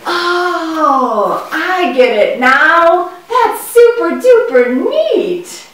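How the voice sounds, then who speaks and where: In a reverberant room, some way from the mic, a naive young boy acted by a woman talks in a children's puppet show. The high voice is curious and wide-eyed, swinging widely in pitch with exaggerated emphasis. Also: sing-song, very slow, a bit bright, full character voice. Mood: amazed. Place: indoor puppet stage, far from the mic. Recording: echoey room, distant microphone.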